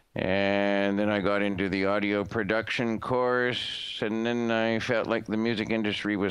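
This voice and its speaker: Through noticeable background noise, a man with a fairly low pitch speaks at a moderate pace in a monotone, flat intonation. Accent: Canadian. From Ontario, Canada. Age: 60s. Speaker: blind access technology specialist. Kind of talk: interview.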